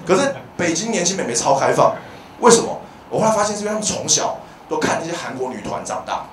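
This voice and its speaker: A man with a Taiwanese Mandarin accent, working a comedy-club crowd, his voice sitting high for a man. He is animated, breaking into loud shouted bits. The sound comes from some way off in an echoey room, with the audience clearly audible. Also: fast, distant mic, a little hiss or hum. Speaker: stand-up comedian. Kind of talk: stand-up comedy set.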